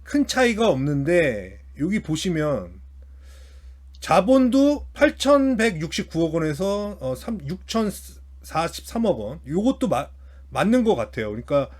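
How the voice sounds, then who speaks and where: Speaking in a fairly high, sing-song voice at a measured pace, a man hosts a finance commentary channel. His unscripted analysis comes out haltingly, with frequent restarts and repeated phrases.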